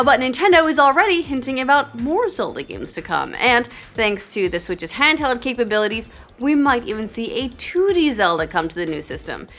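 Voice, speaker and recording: A young woman hosting a scripted gaming news show, reading stories briskly with upbeat, jokey asides. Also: on the high side, a bit bright.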